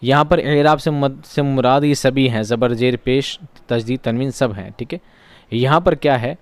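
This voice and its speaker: Man drilling words, clear dry voice. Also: mid-range voice, normal speed, dry recording. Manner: asks questions and answers them himself; repeats key words for drilling. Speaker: online teacher. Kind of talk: exam-prep lesson.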